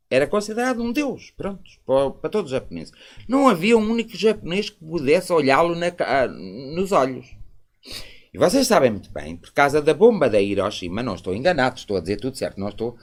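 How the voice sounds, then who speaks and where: A middle-aged man with a European Portuguese accent hosts a live talk from home. His pitch swings widely as he rambles through viewer questions. His voice sits at an ordinary male pitch. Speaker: spiritist live-stream host. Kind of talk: live stream talk with callers and comments.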